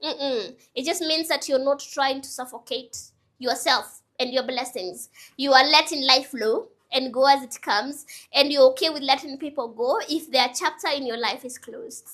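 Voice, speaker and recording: Bright-voiced, high young woman coaching. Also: moderate pace. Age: 20s. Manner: earnest, coaching, repeats advice, chatty asides. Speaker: motivational vlogger. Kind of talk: casual motivational talk to camera.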